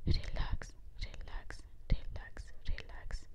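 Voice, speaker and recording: Whispering in a gentle, soothing tone at a very slow pace, dry with no echo, over loud background noise. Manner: gentle whispered soothing repetition.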